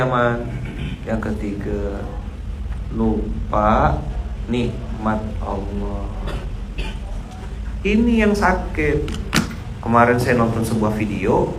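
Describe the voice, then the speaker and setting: Animated preacher in a roomy hall. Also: male voice, slight background noise. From Indonesia. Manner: animated, jumps to loud high outbursts when acting out others; clears throat often. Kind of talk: casual sermon to a congregation. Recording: roomy hall with faint ambience.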